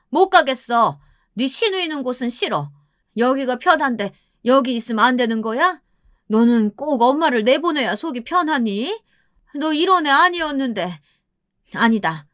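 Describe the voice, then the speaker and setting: Woman doing a high, shrill older mother-in-law for a radio story, nagging, self-pitying, crisp dry read. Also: fairly bright tone, no room sound. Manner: scolding, whiny and self-pitying.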